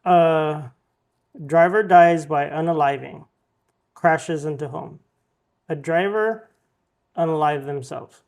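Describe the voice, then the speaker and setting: On his podcast, a man reads the news slowly in a high-leaning, creaky voice, leaving long pauses. His delivery of headlines is laid-back, filled with ums and uhs.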